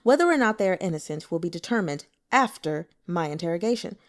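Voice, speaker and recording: A woman's voice: on the low side, lively intonation, fast talker, natural voice. A woman reader portrays an imperious man of authority in a storybook tale. He speaks coolly and curtly, commanding with scorn. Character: cool, imperious male investigator giving curt orders.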